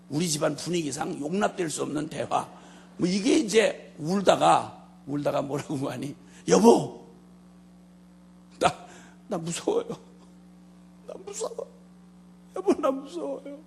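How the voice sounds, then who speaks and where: Animated gravelly middle-aged man preaching. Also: fairly high pitch, a little hiss or hum. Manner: animated storytelling, swings between loud and hushed; joking, addresses the congregation directly. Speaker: missionary preacher. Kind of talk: sermon.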